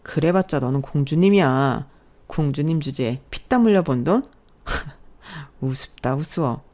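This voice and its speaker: A woman's voice: on the low side, lively intonation, normal speed, darkish tone, lightly acted. Woman voicing a sneering scheming young man. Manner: sneering, contemptuous.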